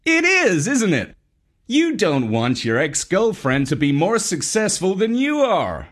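Man reading as a matter-of-fact astronaut, lively pitch. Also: measured pace, full character voice. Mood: challenging. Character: human astronaut friend, matter-of-fact and questioning. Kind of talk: children's audio storybook character.

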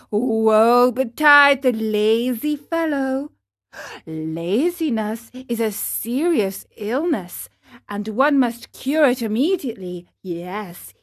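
A woman reading an audiobook, voicing a wise, motherly fairy who speaks calmly and tenderly. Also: on the high side, no echo, clean studio sound. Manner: calm, tender and instructive.

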